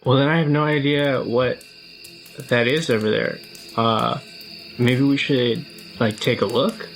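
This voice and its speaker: Halting, tentative man roleplaying, faint music. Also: mid-range voice. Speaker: tabletop game player. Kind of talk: casual improvised roleplay and narration.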